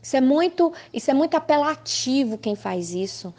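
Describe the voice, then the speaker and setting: A woman's voice: high-pitched, animated, normal speed, darkish tone. A woman with a Brazilian Portuguese accent, a Christian ministry leader speaking frankly and emphatically in a personal testimony talk. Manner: emphatic, frank, acts out quoted voices.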